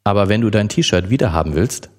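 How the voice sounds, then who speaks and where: A man's voice: lowish voice, lively intonation, brisk, a little mellow. A man voicing a playful, affectionate young woman in a read-aloud novel. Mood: tender. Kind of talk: audiobook reading.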